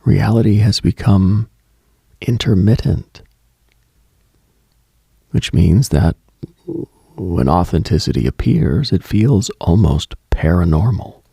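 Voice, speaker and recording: A man hosting a late night radio monologue in a hushed, brooding, contemplative manner, speaking deliberately with long pauses into a close microphone. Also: deep voice, animated, no room sound. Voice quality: husky, gravelly.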